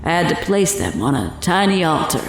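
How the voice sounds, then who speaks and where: A woman's voice: low-pitched, big pitch swings. A woman playing an evil, taunting cultist witch in a horror audio drama, gloating and mocking as she speaks. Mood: fervent, sinister. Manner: gloating, mocking, slow and deliberate, cackling. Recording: very echoey, music underneath.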